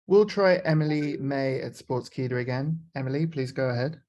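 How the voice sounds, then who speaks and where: A man's voice: mid-range voice, moderate pace, darkish tone, dull audio. A man moderating a conference call, briefly and formally introducing the next questioner.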